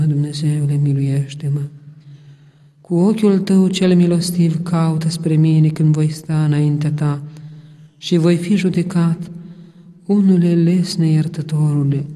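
Solemn man intoning prayers, dark hall reverb. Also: a little high. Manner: slow, measured, intoning. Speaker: reader of Orthodox prayers. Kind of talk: solemn liturgical prayer reading.

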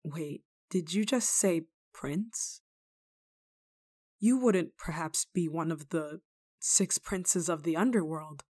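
A woman playing a kindly, rule-breaking nun in an ASMR roleplay, speaking to the listener in a gently teasing, caring manner. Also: fairly low pitch, takes it slowly. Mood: amused teasing. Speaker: roleplay voice actor.

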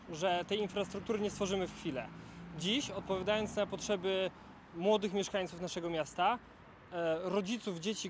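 A man speaking as a council candidate at a press conference, in a steady, formal delivery. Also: high-pitched, slight background noise. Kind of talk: prepared press conference statement. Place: outdoors in a city.

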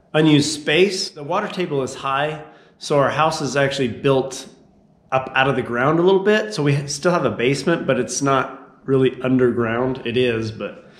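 A man giving a casual home tour, rambling and correcting himself, often clearing his throat. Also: mid-range voice, a bit bright. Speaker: homeowner giving a house tour. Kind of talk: casual handheld tour narration.

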